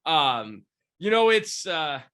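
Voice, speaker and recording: A man's voice: fairly high pitch, big pitch swings, takes it slowly, a bit bright, clean tone. A man in his twenties, congested from a cold, hosting a casual sports podcast and rambling with lots of fillers and restarts. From Washington State, near Seattle. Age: 20s. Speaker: podcast host, sports beat writer.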